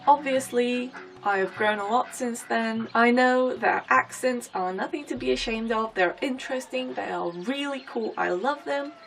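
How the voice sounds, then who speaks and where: High-voiced woman with mixed British-American-Bulgarian accent. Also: normal speed, gravelly, a little hiss or hum. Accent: blend of British, American and Bulgarian. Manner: playful, self-deprecating asides. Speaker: vlogger. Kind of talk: casual chatty vlog.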